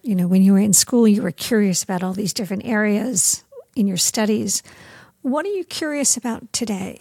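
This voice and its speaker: A woman hosting an interview podcast, speaking in an attentive, measured way as she puts questions and addresses listeners. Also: mid-range voice, darkish tone, husky, no room sound.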